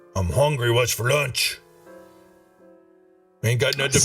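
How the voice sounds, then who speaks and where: Over faint music in the background, a man puts on a gruff character voice at a medium pitch. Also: moderate pace. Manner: grumbling.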